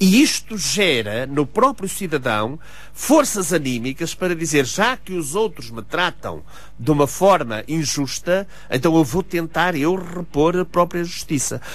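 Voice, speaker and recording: Using a plain, everyday voice, a man talks at a fairly slow pace with a fairly high pitch and lively intonation. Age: 60s. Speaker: president of accountants' professional body. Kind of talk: radio interview.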